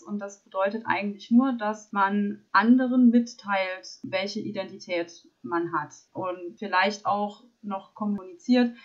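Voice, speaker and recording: A woman's voice: medium pitch, dull audio. A forty-year-old woman from Saarland in Germany, co-hosting a casual podcast and speaking hesitantly with many fillers. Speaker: podcast co-host.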